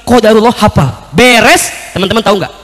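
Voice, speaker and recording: A man's voice: high voice, fairly quick. A man with a Sundanese accent, preaching as an Islamic preacher in a playful storytelling sermon, acting out the dialogue. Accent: Sundanese-accented Indonesian. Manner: animated, acts out dialogue, playful. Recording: reverberant hall.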